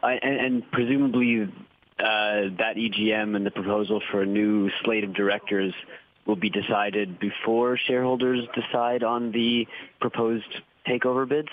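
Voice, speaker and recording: Male caller, lowish voice, deliberate and polite questioning, thin telephone audio. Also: level tone, no echo. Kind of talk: conference call questioning. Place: phone call. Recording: tinny phone line.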